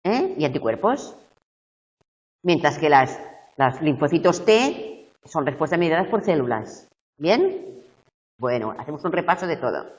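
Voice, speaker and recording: A woman university tutor going over exam questions slowly, checking whether her students follow. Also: low voice, big pitch swings, far from the mic, muffled recording.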